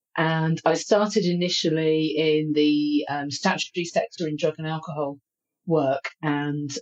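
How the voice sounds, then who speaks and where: In a British accent, a woman speaks with a very deep, low pitch and fairly even intonation. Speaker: psychotherapist. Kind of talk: interview. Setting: podcast.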